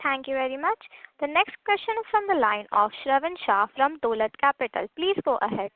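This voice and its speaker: A woman's voice: sits high, big pitch swings, fairly quick, no echo. A woman making formal, scripted announcements as a conference call operator. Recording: dry narrow phone-line sound.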